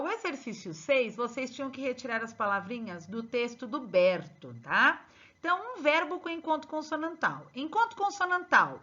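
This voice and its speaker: A woman teacher, slowly and emphatically going through exercise answers with her pupils. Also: sits high, sharp tone. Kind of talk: exercise correction lesson. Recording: dull lo-fi recording.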